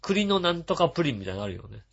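A man hosting a radio show, reading listener messages and chatting about them in a relaxed, rambling way with frequent chuckles. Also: fairly high pitch, racing, creaky. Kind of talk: casual chat. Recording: dull lo-fi sound.

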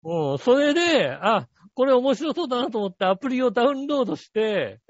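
Animated rambling man, casual chat. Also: very high-pitched, brisk, no echo, lo-fi sound. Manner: rambling storyteller, animated, many fillers. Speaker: podcast co-host.

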